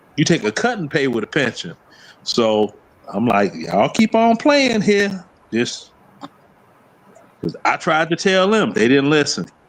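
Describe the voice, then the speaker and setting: A man speaks at a fairly slow pace with a fairly high pitch, very wide pitch swings, and long, frequent pauses. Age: 60s. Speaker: retired military veteran and DJ. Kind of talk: casual chat.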